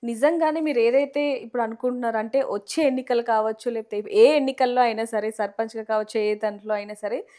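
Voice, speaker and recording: A woman interviewer on a TV news channel, asking questions briskly and murmuring agreement. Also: fairly high pitch, fairly even intonation, mellow.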